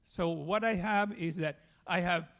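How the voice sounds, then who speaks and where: A man from the Philippines with a Filipino accent, giving a personal church testimony in a halting way. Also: sits high, a bit bright.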